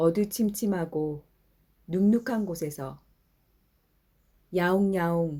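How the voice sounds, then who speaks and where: A woman at a very slow pace, with a fairly low pitch, ordinary pitch variation, and a dark, mellow tone. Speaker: narration student. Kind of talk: audiobook-style literary reading practice.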